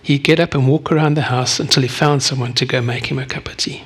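A man in his fifties from South Africa, preaching a sermon and sharing a personal testimony in an earnest, vulnerable way with frequent pauses. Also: medium pitch, steady tone, slightly rough. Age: 50s. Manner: earnest, vulnerable, often pausing.

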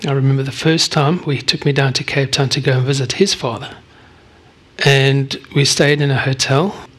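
A man in his fifties from South Africa, preaching a sermon and sharing a personal testimony in an earnest, vulnerable way with frequent pauses. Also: medium pitch, fairly bright tone, breathy edge. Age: 50s. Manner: earnest, vulnerable, often pausing.

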